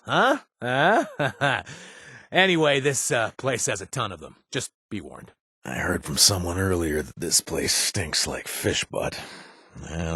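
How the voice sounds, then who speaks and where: A cocky wasteland survivor trades bad puns and chuckles at every one of them. His husky, low voice swings up and down with lively energy. The studio take sounds dry and close. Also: no room sound, full character voice. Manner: cracks puns and laughs at his own jokes. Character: wisecracking male wasteland survivor, pun-loving, cocky. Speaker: game companion character.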